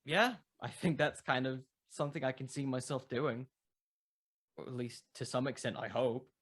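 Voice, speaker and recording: A man's voice: mid-range voice, moderate pace, fairly bright tone. Casual man thinking aloud in an interview. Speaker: podcast creator being interviewed.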